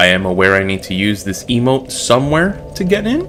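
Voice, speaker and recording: Noticeable background noise runs behind a man talking at a moderate pace in an American accent. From US, Florida. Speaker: gaming streamer. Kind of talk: live stream commentary. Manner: casual, with repeated words.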